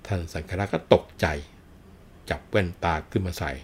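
A middle-aged man telling and explaining a classic tale, unhurried and addressing his listeners politely. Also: low-pitched, steady tone, darkish tone, breathy edge. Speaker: storyteller. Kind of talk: explanatory storytelling talk.

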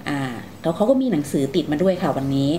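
A woman's voice: low voice, quick pace, warm tone, a little hiss or hum. A woman hosting a conversational interview, politely asking questions and summing up with some hesitation. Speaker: interviewer, show host.

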